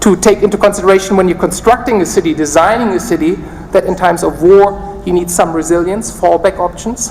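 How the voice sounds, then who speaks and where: Over noticeable background noise, a woman with a medium pitch talks at a fairly quick pace with fairly even intonation. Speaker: legal expert panelist. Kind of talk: panel talk.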